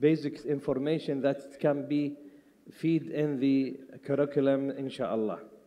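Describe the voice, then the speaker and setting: A man with an Arabic accent talks at a fairly slow pace and fairly high pitch. His intonation stays fairly even, and room echo is audible. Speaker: conference panellist. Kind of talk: conference presentation. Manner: halting.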